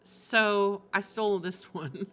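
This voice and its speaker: A woman streamer talks informally about her game in a bright, forward voice at a medium pitch. She is chatty and expressive but slow-paced, with faint music underneath. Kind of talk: casual livestream chat about games.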